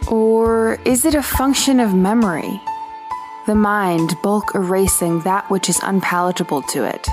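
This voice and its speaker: An actress plays a defensive but tender woman in an audio drama. Her mid-pitched voice is measured and placating, with faint music behind it. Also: close to an everyday voice. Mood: reflective.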